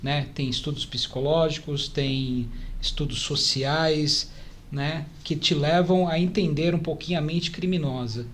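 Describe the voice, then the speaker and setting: A man's voice: fairly high pitch, measured pace, fairly bright tone. São Paulo man in his forties, background noise. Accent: São Paulo Brazilian. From São Paulo, Brazil. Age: 40s. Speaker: podcast guest, church stake president. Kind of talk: casual interview chat.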